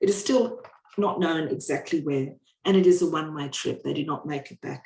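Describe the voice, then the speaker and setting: In a strong Australian accent, the voice moves at a fairly quick pace with a dark, mellow tone and lively intonation. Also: woman, fairly low pitch for a woman. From Australia, Hawkesbury area near Sydney. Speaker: artist or researcher presenting at webinar. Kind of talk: prepared talk, reading aloud. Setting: online webinar. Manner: halting, with stumbles over words.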